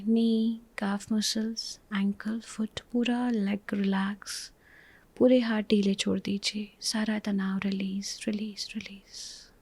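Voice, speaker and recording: A woman with an Indian accent leads a guided relaxation in a soothing, repetitive, reassuring way, with a breathy voice that often drops to a whisper. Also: mid-range voice, a little mellow, no room sound. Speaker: spiritual healer leading a guided relaxation. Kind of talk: guided meditation, hypnotic instruction.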